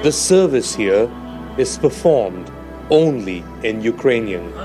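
A man narrating a broadcast news piece in a slow, deliberate way. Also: mid-range voice, expressive, over music. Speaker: news reporter.

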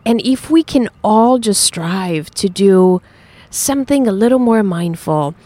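A woman's voice: mid-range voice, lively intonation, unhurried, warm tone, no echo. A woman with a slight foreign accent, earnest and upbeat, answering as a guest in a casual interview. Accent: slight foreign accent from several languages. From Switzerland and Colombia. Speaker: guest, entrepreneur.

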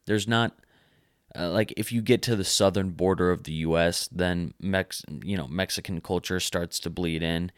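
A man's voice: deep voice, steady tone, moderate pace, clean tone, no room sound, clean studio sound. A young American man in casual conversation, explaining sociology ideas in a lecturing way. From United States. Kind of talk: casual chat.

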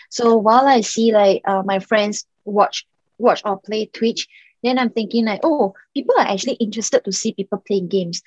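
A woman's voice: mid-range voice, a little mellow, no room sound, muffled recording. A young Singaporean woman, a startup founder, chatting casually as a podcast guest and leaning on "like" and "um". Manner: chatty, many "like" and "um" fillers.

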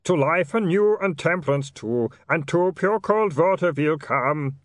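A man's voice: a little high, sing-song, moderate pace, no room sound, clean studio sound, voice pushed up. A man voicing a melodramatic, apologetic vampire who wails and trembles as he fights his cravings, in an audiobook story. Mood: frantic singing. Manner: wailing, trembling, overwrought. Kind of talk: dramatised audiobook character.

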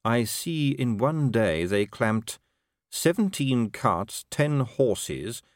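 A man voicing an unruffled, quietly ironic city ruler in a story, careful, measured and understated. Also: medium pitch, sing-song, no room sound, studio quality. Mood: dry, deliberate.

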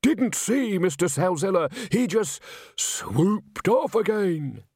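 A man voicing a shaken, self-important scenery painter in an excitable, plaintive, drawn-out way. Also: high-pitched, creaky, no echo, clean studio sound, pitched above the performer's own voice, heavily acted. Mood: self-dramatising.

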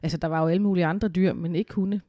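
A woman co-hosting a podcast speaks in a lowish, steady voice despite having a cold, chatting casually and upbeat from her living room with rambling fillers. There's no echo, though the highs are cut off.

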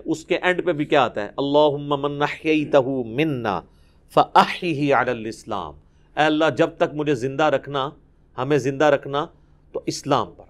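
A middle-aged man with a Pakistani Urdu accent giving a Quran commentary lecture, explaining with animation and reciting verses slowly and carefully. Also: medium pitch. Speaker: religious teacher.

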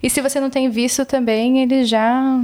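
A woman's voice: high voice, little pitch movement, moderate pace, mellow. A Brazilian woman with a Brazilian Portuguese accent, chatting as a podcast guest and acting out the dialogue she quotes. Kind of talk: casual interview chat.

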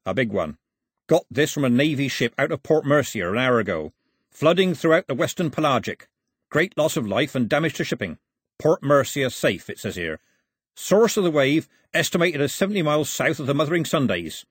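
A plain-spoken sea captain from a seafaring tale, acted by a male narrator. He is wary and dryly respectful, with blunt sailor's talk. The voice is husky, lifted in pitch and recorded very dry. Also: sing-song, fairly quick, no echo. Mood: wry, brisk. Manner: blunt, folksy, nautical talk.

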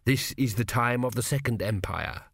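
A man voicing an aged high priest who speaks slowly and ceremoniously, weighing every word. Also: lively intonation, vocal fry, fairly bright tone, breathy edge, no echo, clean studio sound, heavily acted. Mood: solemn. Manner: slow, stately and deliberate. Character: aged high priest, solemn, measured and evasive.

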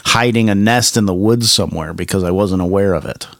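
A lowish male voice, dry and close with no room sound, from a podcast co-host who is a little under the weather. He tells his stories plainly and matter-of-factly. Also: fairly quick, creaky, a bit bright, no room sound. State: a little sick.

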